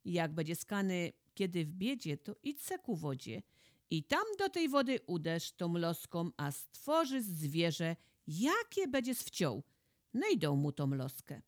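A woman with a Podhale highlander accent voicing a calm, fatherly God giving instructions in a folk tale. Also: a little slow, no room sound, studio quality. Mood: instructing. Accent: Polish highlander (Podhale).

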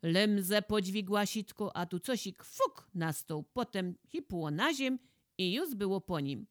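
A woman with a Podhale highlander accent voicing a cautious, grumbling old peasant husband in a folk tale. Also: lively intonation, measured pace, no room sound, studio quality, lightly acted. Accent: Polish highlander (Podhale).

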